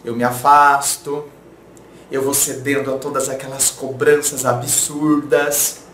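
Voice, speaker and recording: Calm man in an echoey room. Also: mid-range voice, measured pace. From interior of São Paulo, Brazil. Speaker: relationship advice channel host. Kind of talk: advice talk, reading viewer letters aloud. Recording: roomy echo, faint background noise.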